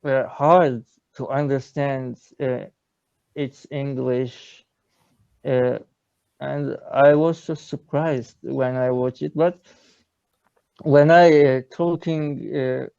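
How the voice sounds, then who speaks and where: Turkish-accent guy practicing english on a call, mellow smooth voice, kinda dull dry audio, lots of uhs. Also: medium pitch, steady tone, slow pace, pauses often, no room sound. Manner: hesitant, searching for words, many uhs. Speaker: English learner. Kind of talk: casual video-call lesson chat. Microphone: video call.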